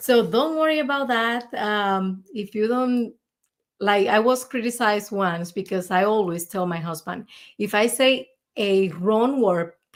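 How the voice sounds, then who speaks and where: Over a silent background in a very clean recording, a woman talks at a moderate pace with lively intonation and medium pitch. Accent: Spanish. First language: Spanish. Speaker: live stream podcast host. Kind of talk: casual chat.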